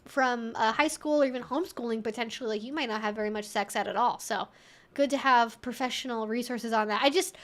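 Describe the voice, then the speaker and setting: A woman hosting a livestream, chattily and informally reading and answering viewer comments. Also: high voice.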